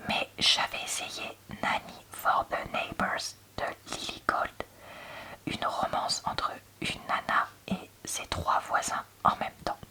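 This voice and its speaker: Woman in a hushed library whisper. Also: slow pace, rough recording. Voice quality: soft, breathy unvoiced library whisper. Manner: hushed, conversational, candid opinions. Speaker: book reviewer on an ASMR channel. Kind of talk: whispered ASMR book chat.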